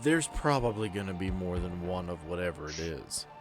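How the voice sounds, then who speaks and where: A man's voice: deep voice, lively intonation, normal speed, music in the background. A man narrating a tabletop roleplaying game as game master, with joking asides.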